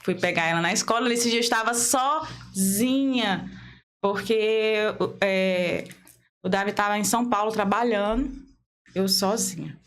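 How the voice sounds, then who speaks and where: A woman's voice: mid-range voice, a little slow, fairly bright tone. A woman in her thirties from Brazil, a podcast guest telling a personal story with animation, acting out dialogue and laughing as she goes. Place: podcast studio.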